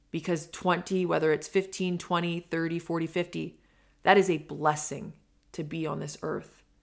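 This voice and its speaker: A woman's fairly low, warm voice at a moderate pace, flat and monotone, on a very clean recording with a silent background. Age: 20s. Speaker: podcast host. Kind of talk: solo podcast monologue, casual and reflective, off the cuff. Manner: conversational, candid, warm and earnest; improvised, unscripted, rambling and heartfelt.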